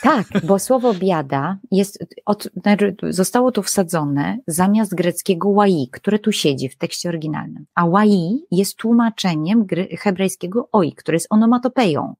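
A woman biblical scholar explaining scripture in lively conversation, often using fillers and acting out quoted lines. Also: medium pitch, measured pace, few pauses, husky, dry recording, studio quality. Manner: animated, frequent fillers, acts out quoted voices.

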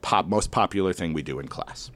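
A man, a schoolteacher, telling a personal story to an audience in an animated way, with sudden loud bursts and slow dramatic drops. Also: low-pitched. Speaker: elementary school teacher.

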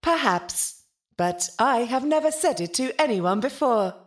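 Polite, high-voiced nonhuman intelligence. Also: female voice, lively intonation, a little slow. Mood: friendly, curious. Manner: formal, precise wording, earnest and literal. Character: polite, lonely, literal-minded nonhuman intelligence, eager for friendship. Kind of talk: audio fiction podcast acting.

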